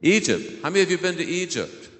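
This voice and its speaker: A man's voice: sits high, sing-song, quick pace. A man with an American accent, a priest giving a simple homily addressed to children in church. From southern Illinois, United States. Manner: simple questions to children, repeats their answers. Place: large indoor church. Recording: echoey church hall, long reverb.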